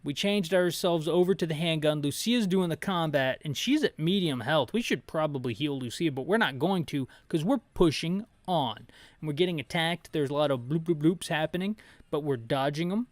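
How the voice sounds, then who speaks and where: A man's voice: a little high, lively intonation, normal speed, dry recording. A man giving casual, jokey, opinionated video game commentary, rambling as he narrates the action as the host of a playthrough. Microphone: close mic, bumped now and then.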